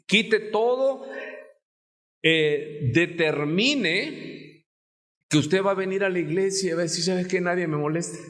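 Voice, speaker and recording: A male pastor with a Mexican Spanish accent preaching a sermon in a church sanctuary, often asking the congregation rhetorical questions. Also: on the high side. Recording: long church reverb.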